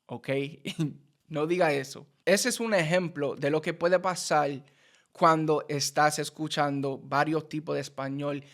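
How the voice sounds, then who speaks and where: Slow-talking Puerto Rican-accented man. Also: on the high side, steady tone, a bit bright. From United States. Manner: slow, repeats and restarts words while explaining. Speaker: Spanish teacher. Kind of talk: casual teaching to camera.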